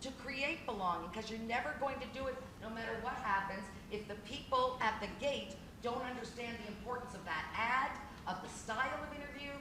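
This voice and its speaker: A fairly high-voiced woman on a panel mic, talking quickly and with animated energy. The sound is roomy and echoey, with a steady noise bed behind her. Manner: fast, animated, self-deprecating. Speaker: panelist, diversity trainer. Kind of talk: conference panel talk. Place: conference hall. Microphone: handheld mic. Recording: echoey hall with background noise.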